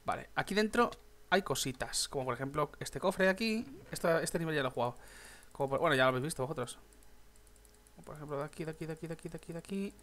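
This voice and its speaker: Excitable young gamer, higher voice. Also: male voice, fast talker. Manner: chatty, swears, bursts into excited shouts. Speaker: gaming YouTuber. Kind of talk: casual gameplay commentary.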